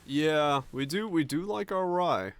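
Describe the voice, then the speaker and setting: A man's voice: on the high side, animated, measured pace. Casting: young man from Finland with an American accent, streamer, loose, rambling, cursing casually. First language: Finnish. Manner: rambling, loose and profane, with many restarts. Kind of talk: casual chat with stream viewers.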